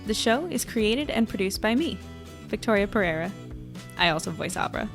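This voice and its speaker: A woman's voice: mid-range voice, lively intonation, normal speed, creaky, over music. A woman who produces the podcast, reading a scripted outro with the credits.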